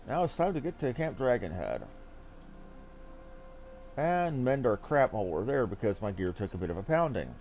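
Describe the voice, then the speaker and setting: Male game streamer, casual commentary, musing, playful, varied lively intonation. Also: mid-range voice, moderate pace, long pauses, a little hiss or hum.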